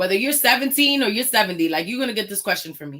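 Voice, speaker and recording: A woman's voice comes across animated, with lively intonation and a bright, sharp tone. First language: not English. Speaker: business coach. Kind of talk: motivational talk to online group.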